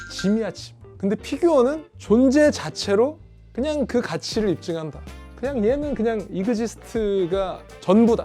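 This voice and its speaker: Over background music, a man with a high pitch talks at a fairly slow pace with lively intonation. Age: 40s. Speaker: singer. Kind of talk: casual vlog tour of his studio. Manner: playful, relaxed.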